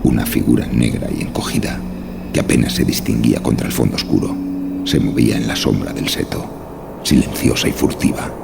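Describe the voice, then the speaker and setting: A man narrating a scripted horror story in a measured, suspenseful, dramatic way. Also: extremely low pitch, steady tone, creaky, noisy background.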